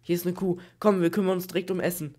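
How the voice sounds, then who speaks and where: Slightly sick guy doing minecraft lets play, excitable, keeps repeating stuff, bit high voice. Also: quick pace, husky. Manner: excitable, exclaims and repeats himself. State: has a cold. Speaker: gaming YouTuber.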